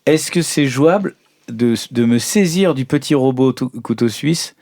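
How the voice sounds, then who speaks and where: A man's voice: mid-range voice, unhurried, a little mellow. A man playing a tabletop game, chatting casually and joking with the others. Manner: joking, bantering.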